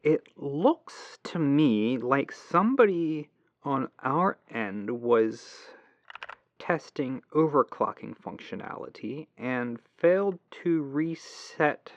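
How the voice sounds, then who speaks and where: A man acting as a polite, patient tech support agent in a soft-spoken ASMR roleplay, musing aloud over a lo-fi telephone line. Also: mid-range voice, expressive, no echo. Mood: mildly exasperated. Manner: unhurried, pausing, courteous, musing aloud. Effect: lo-fi telephone filter.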